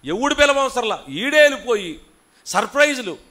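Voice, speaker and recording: High, bright-voiced man preaching. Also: big pitch swings, moderate pace. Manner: scolding and teasing, calls the congregation to answer aloud; swings between soft asides and loud, rising rebukes. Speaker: pastor. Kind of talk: sermon at a fasting prayer meeting.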